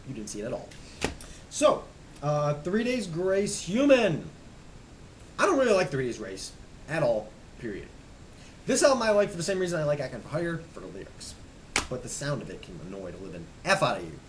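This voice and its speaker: A young man casually rambling as he shows off his music collection, stammering and restarting, hoarse and losing his voice. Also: a little high, big pitch swings, moderate pace, pauses often, a little hiss or hum, poor audio. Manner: enthusiastic, rambling, stammers and restarts, trails off quietly. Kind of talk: casual rambling show-and-tell.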